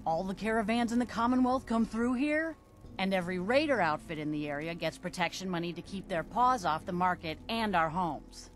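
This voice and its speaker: A woman's voice: medium pitch, lively intonation, brisk, soft background music, lightly acted. A woman playing a stern, weary middle-aged gatekeeper in a video game, blunt and no-nonsense. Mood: stern, businesslike. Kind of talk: video game dialogue acting.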